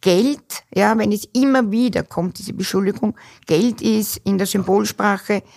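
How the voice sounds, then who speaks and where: A woman, a dementia care expert giving measured answers in an interview, pausing often with fillers. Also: medium pitch, fairly even intonation, creaky, darkish tone.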